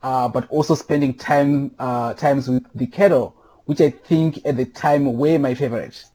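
Podcast guest, male, from Zimbabwe, husky and mellow, thoughtful, many pauses. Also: mid-range voice, steady tone, low-quality recording. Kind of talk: casual interview answers. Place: home during quarantine.

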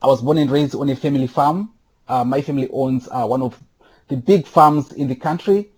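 A man from Zimbabwe answers interview questions from home in a husky, mellow voice. He speaks thoughtfully, pausing often on fillers. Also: medium pitch. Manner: thoughtful, with many filler pauses. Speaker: podcast guest. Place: home during quarantine.

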